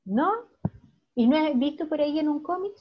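A woman teacher with a Chilean accent giving an online class, praising her students warmly and explaining patiently. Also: high voice, animated, moderate pace. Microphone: video call. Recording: dull lo-fi video call audio.

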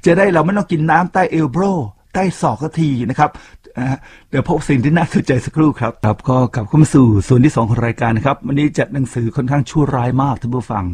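A man's voice: mid-range voice, quick pace, darkish tone, breathy edge. A man hosting a radio talk show, talking chattily to his listeners with frequent asides. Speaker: radio host.

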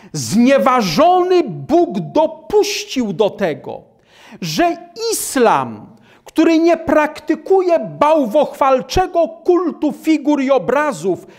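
Slow, lively older male preacher. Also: very high-pitched. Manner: slow, emphatic, gesturing at a map and holding up a booklet. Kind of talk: sermon lecture. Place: small hall with maps on the wall.

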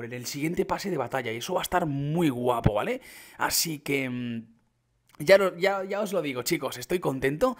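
A young male gaming YouTuber with a Spain Spanish accent and a medium-pitched voice reacts to a game update and discusses it with his viewers. It's late at night, so he keeps his voice hushed and restrained until excitement bursts out in exclamations.

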